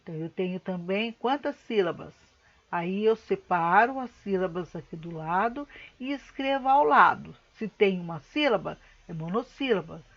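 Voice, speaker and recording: A woman teacher giving a recorded lesson, patiently explaining step by step and slowing words down to split them into syllables. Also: mid-range voice, lively intonation, muffled recording. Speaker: schoolteacher.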